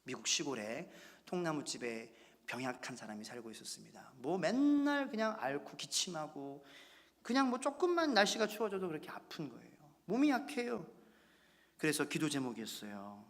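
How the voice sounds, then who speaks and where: Man in his thirties, pastor, lively sermon, slightly high voice, long church hall echo. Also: moderate pace. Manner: animated preaching with acted-out quotes. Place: church sanctuary.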